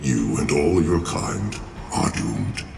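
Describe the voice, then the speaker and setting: A very low, gravelly male demon in a dark fantasy game. He gloats with theatrical menace and grandiose treachery, his pitch swinging widely. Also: big pitch swings, slow pace, background noise, exaggerated voice. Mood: menacing. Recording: echoing, distant, music underneath.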